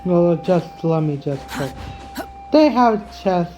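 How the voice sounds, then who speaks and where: A woman giving casual gameplay commentary, thinking aloud in short, halting remarks. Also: fairly low pitch, animated, highs cut off. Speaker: gaming video creator playing through a story quest. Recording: game music behind the voice.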